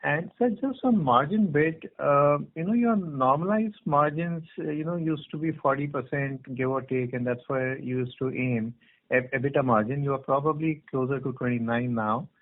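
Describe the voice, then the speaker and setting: A man's voice: medium pitch, moderate pace. A man with an Indian accent asking polite, tentatively phrased questions as a financial analyst on a conference call. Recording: narrow, muffled phone line.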